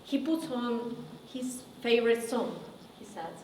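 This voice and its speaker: A woman acting a theatrical monologue as a haunted woman looking back on her past, with deliberate, halting delivery. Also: a little high, darkish tone, natural voice. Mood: subdued, uneasy. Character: woman recounting childhood memories, wry then wounded and haunted. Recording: echoey reverberant room, distant mic, faint noise.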